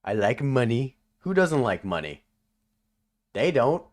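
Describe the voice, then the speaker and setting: Young dude doing live commentary on his vid, laughs a lot, swears, gets loud sometimes. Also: mid-range voice, sing-song, takes it slowly. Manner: laughs often, swears, bursts into loud yelps. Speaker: video essay creator doing live commentary. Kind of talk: casual commentary over his own video.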